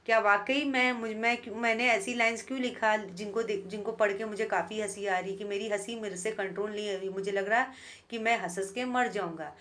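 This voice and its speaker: A woman teaching a school poetry lesson, her voice bright and forward. She reads each line of verse slowly and carefully, then explains it in quick Hindi, often stopping to restart a word. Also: medium pitch, fairly even intonation, slight background noise. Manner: frequent restarts and repetitions. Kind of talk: explaining an English poem in Hindi.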